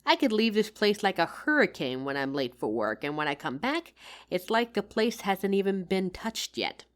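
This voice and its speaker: A woman's voice: medium pitch, very animated, normal speed, natural voice. A woman playing a loving, tired career-woman wife in an intimate audio roleplay, speaking tenderly and teasingly as if to her husband. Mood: fond teasing.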